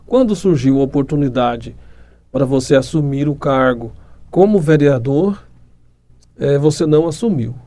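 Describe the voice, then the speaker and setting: A man's voice: mid-range voice, lively intonation, moderate pace, dark tone. A man with a Goiás Brazilian accent hosting a podcast, upbeat and complimentary, asking questions and speaking to the audience. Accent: Brazilian Portuguese, Goiás. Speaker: podcast host.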